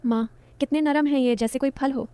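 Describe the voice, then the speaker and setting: A woman's voice: high voice, steady tone, a little fast, mellow, no room sound, lightly acted. A woman voicing a coaxing young stepson. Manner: pleading, suggestive.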